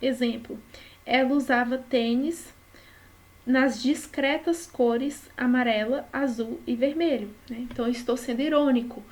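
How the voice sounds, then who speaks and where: Speaking a little slowly in a high-pitched, steady, darkish-toned voice, a Brazilian Portuguese-accented woman teaches a study lesson. She explains with patience and regularly checks in using short tag questions.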